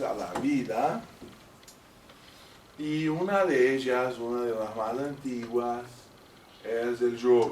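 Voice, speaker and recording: Over noticeable background noise and audible room echo, a man speaks with a Portuguese accent. His pace is very slow, with ordinary pitch variation. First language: Portuguese (speaking Spanish). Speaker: lecturer on yoga and theosophy. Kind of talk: lecture. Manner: halting.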